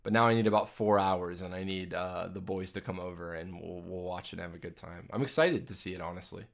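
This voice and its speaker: Young male streamer, very deep voice, casual rambling chat-reading host. Loose and self-interrupting. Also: fast talker, vocal fry. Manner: rambling, reads chat questions aloud, frequent ums and restarts. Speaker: livestream host answering chat. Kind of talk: casual live Q&A. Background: jazz playing from a phone.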